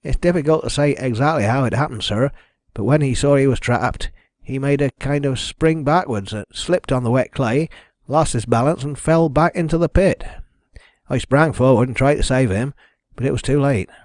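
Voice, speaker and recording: A man's voice: medium pitch, normal speed, a little mellow, no room sound, clean studio sound, natural voice. Man acting a shaken, plain-spoken village constable. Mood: shaken, urgent. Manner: urgent, deferential, plain-spoken. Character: shaken village constable reporting to his superior.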